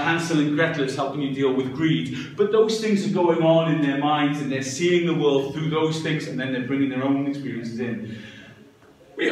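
A man in his fifties giving a live talk as a storyteller and teacher trainer, with an animated, theatrical, emphatic delivery. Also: medium pitch. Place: medium-sized classroom, indoors. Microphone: distant camera microphone. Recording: echoey room, far microphone, background noise.

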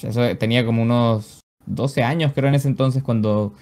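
A man's voice: mid-range voice, normal speed. Venezuelan male, 25, easygoing interview guest on a headset, chatty fillers. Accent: Venezuelan Spanish. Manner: relaxed storytelling, frequent "básicamente" and "o sea". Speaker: guest, esports caster and pro player. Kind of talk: casual interview over video call. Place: small home streaming room. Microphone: headset on video call.

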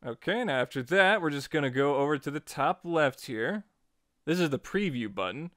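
A man narrating a software tutorial in a chatty, informal way, guiding step by step. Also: fairly high pitch, animated, normal speed, dry recording, studio quality. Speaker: tutorial host.

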